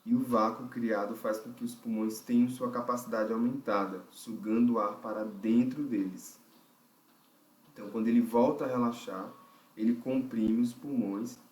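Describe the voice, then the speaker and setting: A man with a Brazilian Portuguese accent teaches a vocal technique lesson in a voice that sits on the low side with a darkish tone. He works through it step by step, thinking aloud and regularly checking in with the listener. The recording sounds roomy, with the mic placed at a distance.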